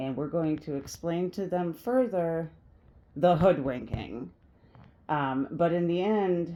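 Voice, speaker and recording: A woman with a fairly low, dark, mellow voice speaks very slowly with long, frequent pauses and ordinary pitch variation. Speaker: activist. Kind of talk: casual monologue. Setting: at home doing dishes. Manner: halting.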